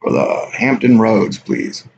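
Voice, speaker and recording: A man's voice: on the low side, big pitch swings, slow pace, gravelly, darkish tone. A man hosting a casual live stream, rambling offhand and reading viewer chat aloud. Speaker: livestream host. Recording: dull lo-fi stream audio with faint hiss.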